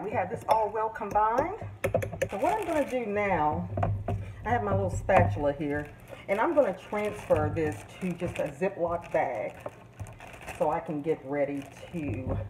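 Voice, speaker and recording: Woman chatting away while she cooks, lower voice, kinda far from the mic, lots of bowl and fork clatter. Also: animated, measured pace, heavy background noise. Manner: chatty, addresses viewers as guys. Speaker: cooking channel host. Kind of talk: casual cook-along chat. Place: home kitchen, indoors. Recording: distant voice with loud clattering dishes.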